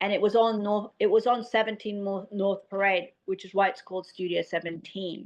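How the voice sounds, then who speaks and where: In a London accent, a woman talks at a moderate pace and medium pitch with hardly any pauses. Her intonation stays fairly even. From London, England. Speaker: filmmaker and music journalist. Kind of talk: interview.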